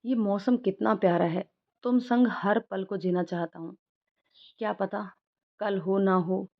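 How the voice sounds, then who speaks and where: In a storybook narration, a woman voices a playful young man in love who teases his girlfriend and sings filmy lines to her. Her mid-range voice is natural, steady and unhurried, and the lo-fi recording sounds dull.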